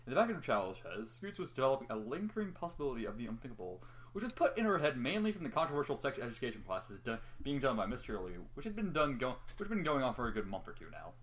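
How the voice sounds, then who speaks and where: With noticeable noise in the background, a young adult reads a story in a loose, amateur style, sometimes tripping over words and joking and cursing between sections. They talk fast, at a medium pitch, and sound very animated.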